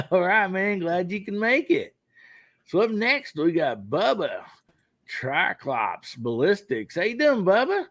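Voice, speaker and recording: A man hosting a live podcast, folksy and quick to laugh. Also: high-pitched, big pitch swings, fairly bright tone, no room sound. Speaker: podcast host.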